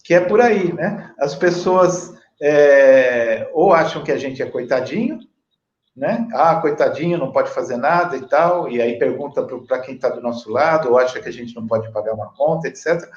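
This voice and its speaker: Man, Brazilian accent, medium pitch, rambling hesitant interviewer, conversational, strong room echo. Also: expressive, normal speed, a little mellow. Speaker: interview host. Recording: echoey room, dull lo-fi audio.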